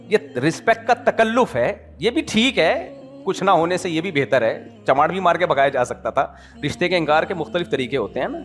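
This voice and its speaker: A middle-aged man preaching in a lively, conversational way, with a voice sitting a little higher than most men's. He keeps turning to his listeners with questions and slips into short made-up exchanges to make a point. Soft music plays faintly underneath. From Pakistan. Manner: animated, asks the audience rhetorical questions and acts out little dialogues. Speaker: Islamic preacher. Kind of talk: conversational sermon.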